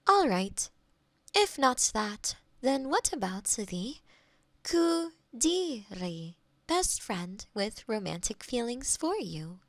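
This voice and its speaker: A woman's voice: fairly high pitch, sing-song, no echo, full character voice. A woman playing a polite, literal AI girlfriend in a scripted roleplay, speaking formally and helpfully, close on a binaural microphone. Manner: formal, measured, robotically helpful. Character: polite female AI girlfriend companion, literal, eager to please. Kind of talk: scripted roleplay audio, ASMR.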